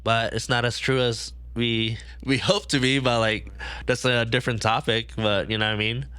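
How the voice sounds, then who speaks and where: A man's voice: medium pitch, level tone, normal speed, fairly bright tone, clean tone, no room sound. A man hosting a podcast, talking in a laid-back, casual way and agreeing often. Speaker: podcast host.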